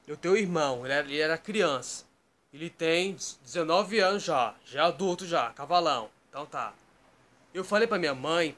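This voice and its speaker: A man's voice: fairly high pitch, a bit bright. Rambling man vlogging from his bedroom. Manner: repeats "tá?" and "né?" constantly, loose digressive storytelling. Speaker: YouTube vlogger. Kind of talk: rambling casual talk to camera. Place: bedroom at home, indoors.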